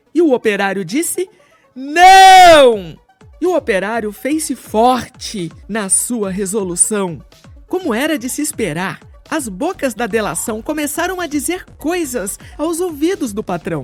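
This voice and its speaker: Over music in the background, a woman talks at a fairly slow pace in a high pitch with very wide pitch swings. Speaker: voice actor. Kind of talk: poetry reading.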